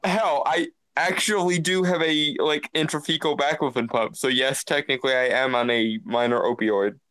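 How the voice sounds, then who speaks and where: A man's voice: medium pitch, steady tone, normal speed, a bit bright, dry recording. A man chatting on a stream, making blunt, sardonic quips. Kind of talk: casual chat.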